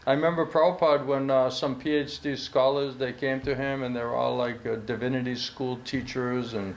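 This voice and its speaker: A man's voice: mid-range voice, little pitch movement, moderate pace, creaky. A man giving a casual spiritual lecture, telling stories and acting out the voices of people he quotes. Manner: conversational, acts out quoted voices. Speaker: spiritual teacher. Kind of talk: lecture on scripture, casual storytelling. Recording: echoey room, faint ambience.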